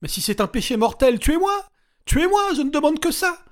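A man's voice: extremely high pitch, sing-song, moderate pace, voice pushed up. A man voicing a desperate, exhausted woman who sobs and screams in pleading rage. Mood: screaming despair. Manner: shrieking, tearful pleading. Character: desperate suicidal woman, worn out, sobbing.

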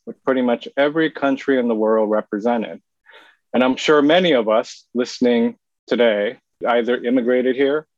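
A man born in South Korea hosting a podcast, speaking in a measured, polished way. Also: mid-range voice, darkish tone, no room sound. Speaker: podcast host. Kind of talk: scripted podcast intro and chat. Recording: slightly dull lo-fi audio.

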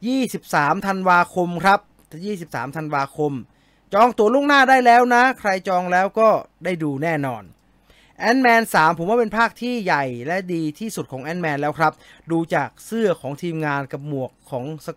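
A man hosts a live movie news stream, chatting and joking with his viewers in a polite, easygoing way. His voice sits high, and it is recorded dry and close with no room sound. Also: fairly bright tone, no echo. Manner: chatty, jokey, polite particles. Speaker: movie talk show host. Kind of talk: casual live-stream chat reading viewer comments.

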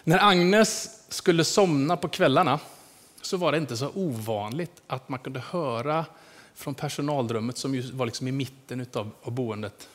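A man giving a sermon, leading into his point with a personal story told in a loose, conversational way. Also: medium pitch. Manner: storytelling, warm anecdotes, many fillers. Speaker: preacher. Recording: long echoey hall reverb.

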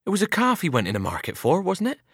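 A man's voice: high voice, huge pitch swings, a bit bright, breathy edge, no room sound, studio quality, voice pushed up, exaggerated voice. A man putting on an eager teenage farm boy. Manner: quick, eager, pleading.

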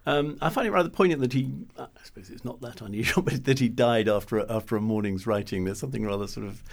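A man's voice: mid-range voice, quick pace, gravelly. A man with an English accent interviewing an author in a conversational, somewhat hesitant way. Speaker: book editor interviewing an author.

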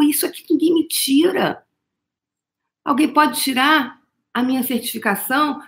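A middle-aged woman with a Brazilian Portuguese accent, giving a live motivational talk. She speaks emphatically, often calls the listener "meu amor" and swears now and then. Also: sits high. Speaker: motivational coach.

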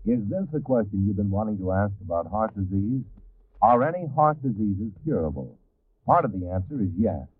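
A man's voice: on the low side, expressive, moderate pace, breathy edge, dry recording. A man delivering scripted announcements in an old-time radio announcer's style. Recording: dry, tinny old radio recording.

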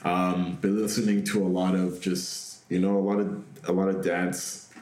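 Guest voice: very deep, monotone man from Canada, laid-back and filler-heavy, echoey room. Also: moderate pace. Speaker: guest, clothing brand owner. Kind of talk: casual radio interview.

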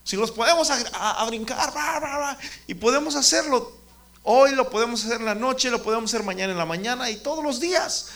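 A man gives a children's sermon, pitching his voice high with a bright, lively tone, brisk pace, and some vocal fry. He keeps turning to the kids with questions and calls on them by name.

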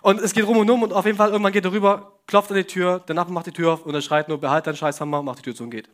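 A young man delivers a sermon in a relaxed, conversational way, pitched a little higher than most men. He keeps turning to his listeners with questions and wry jokes. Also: rapid-fire. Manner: casual, joking asides, questions to the audience. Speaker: preacher. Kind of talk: sermon to a congregation.

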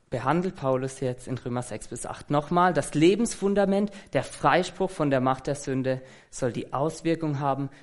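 A man preaching an earnest, conversational sermon that he fills with rhetorical questions. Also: mid-range voice.

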